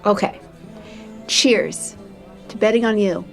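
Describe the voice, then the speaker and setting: A woman's voice: medium pitch, slow, creaky, faint music behind. An actress playing an exuberant, pushy young woman, a playfully dramatic best friend in an audio drama, emphatic and teasing. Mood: warm, encouraging. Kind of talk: naturalistic audio drama acting.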